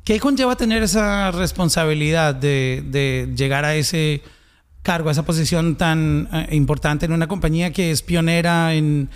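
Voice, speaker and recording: A man's voice: a little high, normal speed, clear, resonant tone. A man from Colombia with a Colombian accent, hosting a conversational interview. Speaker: host.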